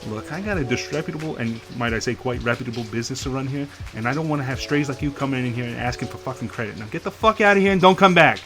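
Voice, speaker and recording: A man playing a gruff, foul-mouthed black-market implant dealer in a sci-fi audio drama, brash and hard-bargaining. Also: medium pitch, fast talker, few pauses, music in the background, close to an everyday voice. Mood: furious, threatening.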